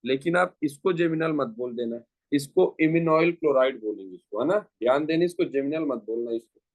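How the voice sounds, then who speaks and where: Captured in a dry recording, this classroom chemistry lecture comes from a man whose voice leans high. He guides the students step by step, repeating himself and tossing out rhetorical questions.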